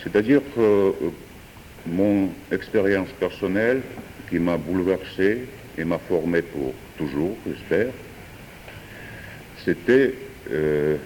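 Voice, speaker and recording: A man, a French speaker, improvising a philosophical talk with hesitant pauses and fillers. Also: deep voice, darkish tone, slight background noise. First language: Georgian. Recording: distant voice in a reverberant hall.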